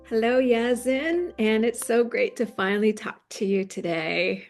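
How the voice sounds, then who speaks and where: A woman hosts a podcast and gushes warmly about her guest. Her voice has a gravelly, creaky edge. Faint music plays underneath. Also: fairly high pitch, measured pace. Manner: enthusiastic, gushing. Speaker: podcast host. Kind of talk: podcast interview.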